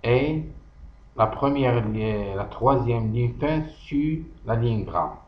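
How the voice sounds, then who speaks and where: Enseignant masculin à l'algérien, débit très lent et posé, son lo-fi avec écho. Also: male voice, medium pitch, animated. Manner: slow, deliberate, thinking aloud with pauses. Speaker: teacher. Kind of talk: slow worksheet walkthrough. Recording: echoey room, dull lo-fi audio.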